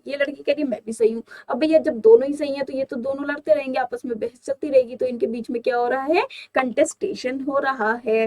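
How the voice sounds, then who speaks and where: Woman, high voice, vocabulary teacher, asks and answers her own questions. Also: darkish tone, rough recording. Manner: reads English example sentences slowly and deliberately. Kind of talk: exam-prep vocabulary lesson.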